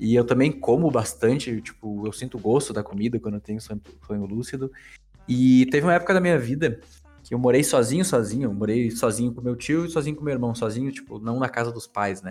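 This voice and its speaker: Talking at a very fast pace, this man has a medium pitch. His pitch variation is ordinary. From Caxias do Sul, Rio Grande do Sul, Brazil. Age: 20s. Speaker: podcast host. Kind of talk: casual chat.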